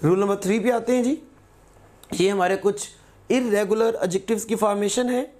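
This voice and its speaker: Mellow-voiced male grammar teacher. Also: sits high, fairly even intonation. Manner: patient, repeats words slowly as examples. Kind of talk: recorded lesson.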